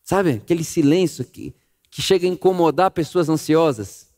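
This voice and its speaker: A man preaching a sermon, telling the story vividly and swinging from loud emphasis to a hush. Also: on the high side, moderate pace. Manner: animated storytelling, acting out voices, swings between loud and hushed.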